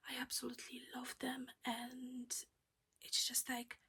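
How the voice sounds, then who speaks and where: A woman's voice: high voice, monotone, unhurried, bright, forceful tone, slightly rough. A woman whispering her way through a casual cross-stitch project chat at home while losing her voice.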